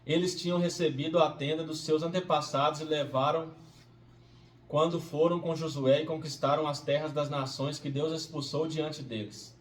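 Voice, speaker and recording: A man's voice: on the high side, steady tone, normal speed. Man reading scripture in a roomy room. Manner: reads steadily, then closes in a quieter, conversational preaching tone. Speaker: Bible reader and devotional host. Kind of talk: Bible reading and short devotional reflection. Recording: roomy, distant from the mic, faint hiss.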